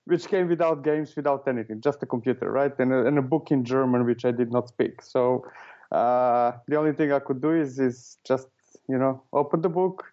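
A man's voice: mid-range voice, dark tone, muffled recording. A man from Serbia answering interview questions casually, with hesitant talk full of fillers and restarts. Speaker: guest, author and consultant.

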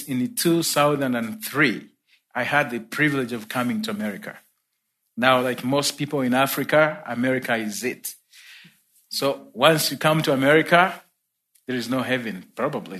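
A man from Uganda with a Ugandan accent, telling his own conversion story in a sermon with easy laughter. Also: mid-range voice. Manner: warm storytelling, laughs between points. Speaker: preacher. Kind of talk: sermon testimony. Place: church.

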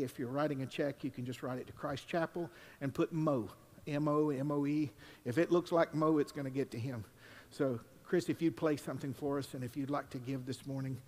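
An older man, a pastor preaching at a pulpit microphone, mixing folksy asides with loud, drawn-out scripture reading. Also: medium pitch. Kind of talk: sermon. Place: church sanctuary. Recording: long reverb in a church hall.

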